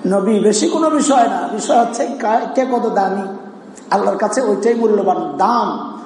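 Preacher guy, really high voice, long hall echo, sighs and chants verses. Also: darkish tone, slight background noise. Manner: emotional, sighing exclamations, sings verses slowly. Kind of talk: Bengali sermon with chanted Quranic recitation. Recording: echoey hall, faint ambience.

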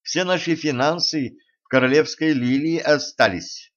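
A man's voice: on the high side, unhurried, fairly bright tone, dull audio, voice pushed up. A man voicing an indignant young princess. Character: young woman, a haughty princess.

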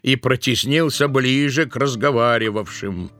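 A man's voice: medium pitch, normal speed, fairly bright tone, close to an everyday voice. A man reading scripted literary narration as the narrator of an audio play. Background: music.

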